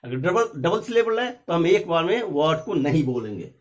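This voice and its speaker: A man with a slightly high, sing-song voice gives a spoken English lesson. He covers each point in English, then says it again in Hindi, and he reads his English examples slowly and with care.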